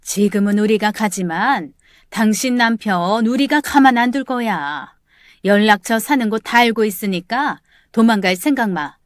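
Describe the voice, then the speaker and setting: A woman's voice: mid-range voice, expressive, normal speed, no room sound, studio quality, close to an everyday voice. A woman voicing a group of angry middle-aged neighborhood women who speak harshly and with scorn. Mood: threatening.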